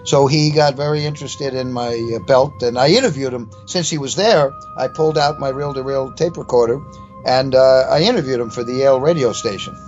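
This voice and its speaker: Interview guest: older man, average pitch, stammering conversational anecdote, dull recording with music low behind. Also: darkish tone. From New York, USA. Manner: halting, stammering, repeats words. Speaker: interview guest telling a personal ghost story. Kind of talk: rambling casual anecdote. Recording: dull lo-fi sound with faint music. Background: faint music.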